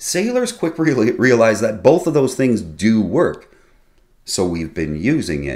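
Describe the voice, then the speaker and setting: A man with vocal fry and very wide pitch swings, at a moderate pace, over a quiet background. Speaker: sailing channel host. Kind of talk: explainer vlog commentary. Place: home room.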